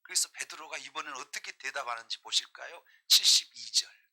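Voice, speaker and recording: A man's voice: medium pitch, brisk, pushed and bright. A middle-aged man from Jeolla, a pastor preaching a sermon, reading scripture and putting emphatic rhetorical questions to his congregation. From Jeolla, South Korea.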